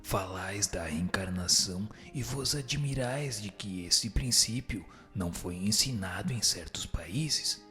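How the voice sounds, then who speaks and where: Brazilian guy doing a wise solemn spirit teacher, slowish lowish voice, preachy formal radio drama stuff over music. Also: sharp tone. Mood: didactic, patient. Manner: solemn, didactic, rhetorical, formal. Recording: music behind the voice.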